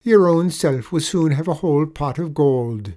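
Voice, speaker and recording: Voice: medium pitch, normal speed, dark tone, voice pushed up, close to an everyday voice. A storyteller voicing a sly, wheedling male leprechaun with an Irish accent, spinning a pitiful tale in a storybook reading. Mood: coaxing.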